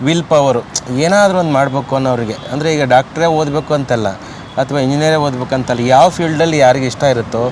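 A man talks in a fairly high pitch. Noticeable background noise runs under his voice. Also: ordinary pitch variation. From North Karnataka, Vijayapura district village. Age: 40s. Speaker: doctor. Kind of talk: interview. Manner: animated.

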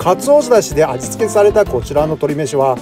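Speech at a moderate pace comes over clear background music, the sound dry with no echo. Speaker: ramen review host. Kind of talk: food review narration.

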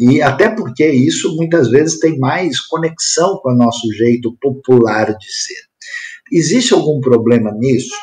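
A man with a normal speaking voice and fairly high pitch talks at a fairly slow pace, his loudness swinging widely. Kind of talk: radio debate.

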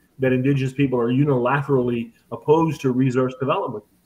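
The speaker has a Canadian accent. The voice is somewhat breathy. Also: man. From Canada. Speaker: think tank policy fellow and moderator. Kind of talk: panel discussion. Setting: video call. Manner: halting. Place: home room. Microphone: webcam.

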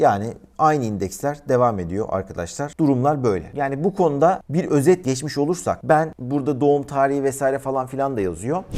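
This man has an unremarkable speaking voice, fairly high in pitch, with lively intonation, a fairly quick pace and hardly any pauses. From Turkey, Erzurum. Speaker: e-commerce entrepreneur and online course seller. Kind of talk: casual YouTube vlog commentary.

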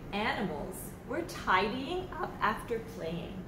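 Very slowly, a woman speaks with very wide pitch swings amid noticeable background noise. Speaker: teacher reading to children. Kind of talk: children's story read aloud, interactive storytelling to young pupils. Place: classroom.

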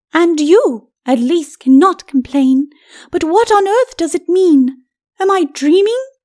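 A woman performs a put-on character voice. Her pitch is extremely high and her pace fairly slow. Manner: cold, cutting, sardonic.

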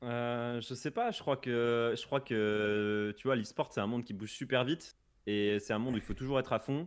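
A man speaks at a moderate pace with a medium pitch and fairly even intonation. He has a plain, everyday voice. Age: young. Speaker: pro esports player. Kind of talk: interview.

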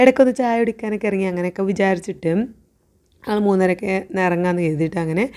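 A woman speaks at medium pitch with a dark, mellow tone and ordinary pitch variation. The recording is very clean, with a silent background. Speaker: vlogger. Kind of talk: voice-over narration. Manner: conversational.

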